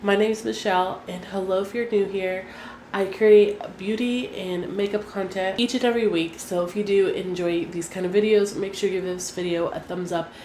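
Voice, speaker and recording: In an echoey room with faint hum in the background, a young woman who does beauty vlogs chats away, her cold leaving her nasal and stuffed up. She leans on "like" as a filler often, speaking at normal speed in a mellow, steady, medium-pitched voice.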